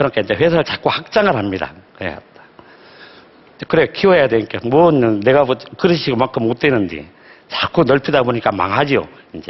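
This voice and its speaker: With a Jeolla accent, a man talks at a fairly quick pace with very wide pitch swings and long, frequent pauses over noticeable background noise. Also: medium pitch for a man. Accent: Jeolla dialect, picked up over long residence. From Gangwon Province, South Korea. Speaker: street food vendor. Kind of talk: lecture. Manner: plain, halting conversational.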